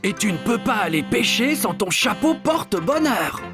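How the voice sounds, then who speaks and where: A woman's voice: medium pitch, very animated, normal speed, over music, lightly acted. A woman voicing a patient, kindly parent who explains things simply and reassuringly in a children's cartoon. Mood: friendly, explaining.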